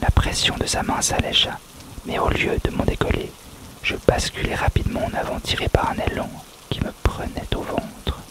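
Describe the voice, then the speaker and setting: The speech is whispered at a moderate pace. Noticeable background noise can be heard. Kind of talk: hypnotic relaxation reading from a book.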